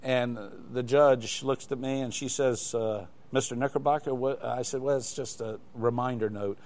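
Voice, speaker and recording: Guesting on a live studio interview, this older glider flight examiner tells rambling stories, restarting often. He speaks at a normal speed in a steady, medium-pitched, slightly mellow voice.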